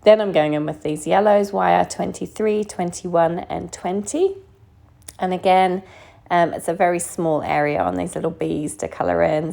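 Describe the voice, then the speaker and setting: A woman with a croaky, under-the-weather voice narrates a casual craft tutorial in a chatty, slightly tentative manner. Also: fairly low pitch, warm tone. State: croaky voice from being sick.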